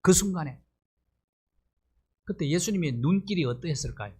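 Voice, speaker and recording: A man's voice: on the high side, animated, moderate pace, warm tone, breathy edge. A middle-aged male pastor delivering a sermon, pressing his points with rhetorical questions and rising emphasis.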